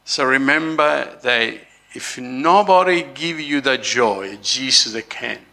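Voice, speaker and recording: A man's voice: medium pitch, expressive, slow, gravelly, pushed and bright. A man with an Italian accent preaching a jovial, laughing Christmas sermon as pastor, dropping frequent amens.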